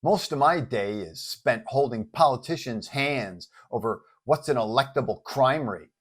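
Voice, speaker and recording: A man's voice: medium pitch, animated, unhurried. A man voicing a pragmatic, exasperated female police chief in a superhero story, blunt and persuasive.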